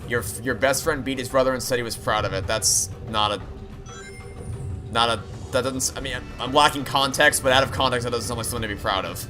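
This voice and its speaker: With game music in the background, a man chats casually while streaming a game, rambling along with dry sarcastic remarks. His voice is medium-pitched and his pace quick.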